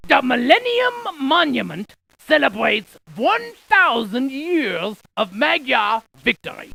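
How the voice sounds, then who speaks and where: High, creaky, quirky game scientist. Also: male voice, bright, forceful tone, no echo, exaggerated voice, rough recording. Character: excitable, quirky scientist tour guide, full of folksy quips. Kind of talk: cartoonish video game character lines.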